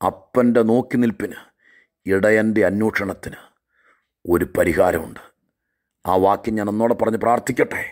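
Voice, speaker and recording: Fairly even intonation marks a man's normal speaking voice, a normal speaking voice pitched fairly low. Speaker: pastor. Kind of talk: sermon. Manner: measured, with pauses.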